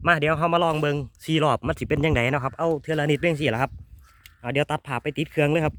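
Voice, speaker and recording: A man with an Isan accent hosting a casual hands-on demo, talking excitedly and repeating his words as he tests an engine. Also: a little high. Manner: excited, repeats words, exclaims over results. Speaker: video host.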